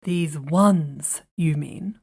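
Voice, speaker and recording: Skeptical queen, female actor: dark, soft-edged, fairly low, regal and dismissive. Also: very slow, husky, heavily acted. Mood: cool, dismissive. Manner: regal, dismissive, clipped irony. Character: cool, skeptical, haughty queen. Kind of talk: fantasy audio drama acting.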